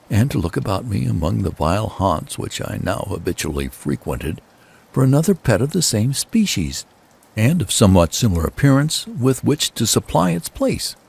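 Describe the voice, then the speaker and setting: A man reads a gothic horror story as a dramatic narrator, with theatrical, deliberate phrasing and pauses. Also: on the low side, vocal fry, darkish tone, husky.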